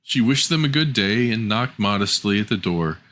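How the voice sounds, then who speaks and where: A man's voice: lowish voice, animated, normal speed, fairly bright tone. A man reading a scripted fairy tale as a storyteller.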